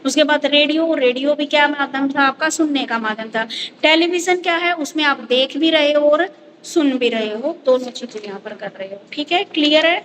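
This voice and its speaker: High pitched lady teacher explaining stuff to her class, keeps asking "what is it" to herself, voice echoing in a big hall. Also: moderate pace, noisy background. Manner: explanatory, repeats rhetorical "kya hai" questions. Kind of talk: online class lecture.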